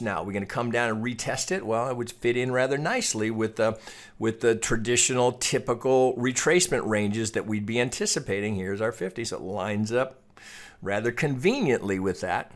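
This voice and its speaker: A man's voice: medium pitch, normal speed. Male market analyst, mid-range voice, talking through charts off the cuff in a blunt, opinionated, conversational way. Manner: conversational, opinionated, casually profane, often checking with "right?". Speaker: trading educator and market analyst. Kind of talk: informal screen-share chart commentary.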